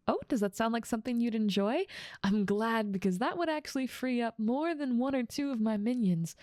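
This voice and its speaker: A dominant demon ruler of hell, acted by a woman, speaks in an ASMR roleplay with a creaky edge to her voice. She is teasing and condescending, with playful menace, and the recording is close and dry. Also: mid-range voice, a little mellow, dry recording. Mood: businesslike, smug. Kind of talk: ASMR roleplay audio drama.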